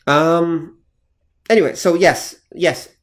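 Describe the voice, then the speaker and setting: A man's voice: fairly high pitch, steady tone, slow. A man co-hosting a podcast, explaining at length in a casual, thoughtful way with plenty of fillers. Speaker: podcast co-host. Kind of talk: casual chat about comic history.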